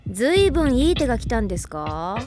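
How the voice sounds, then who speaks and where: A crafty teenage club leader in an anime audio drama. Her high voice moves animatedly between teasing and mock politeness, sure of herself, over prominent music. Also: very animated, fast talker. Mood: cool confidence.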